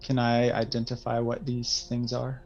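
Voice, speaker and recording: Male tabletop player, gravelly, a bit formal; lo-fi recording with music underneath. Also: medium pitch, completely flat delivery, moderate pace, a little mellow. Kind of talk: casual role-play talk. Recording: dull lo-fi sound, music behind.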